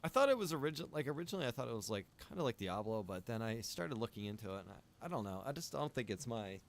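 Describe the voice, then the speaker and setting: A man chatting casually on a game livestream, rambling and thinking out loud. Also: mid-range voice, sing-song, fast, creaky. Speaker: game streamer. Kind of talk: casual livestream chat while gaming.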